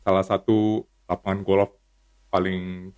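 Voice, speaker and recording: A man's voice: low voice, flat delivery, a little slow, a little mellow, clear, resonant tone. A man, a business founder recounting his life story in an earnest, motivational way, repeating phrases for emphasis.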